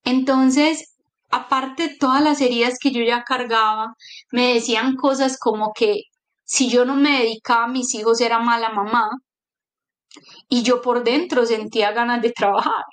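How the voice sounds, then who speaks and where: A woman's voice: a little high, steady tone, normal speed. A middle-aged woman, giving an emotional personal faith testimony. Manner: emotional, earnest storytelling with quoted dialogue.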